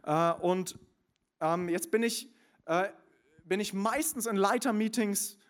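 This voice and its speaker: Young guy preaching, high voice, goes quiet and chatty then loud and punchy, lots of ums. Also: slow pace. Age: young adult. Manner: shifts between soft confiding asides and loud emphatic preaching; many fillers and restarts. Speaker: pastor. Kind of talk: sermon.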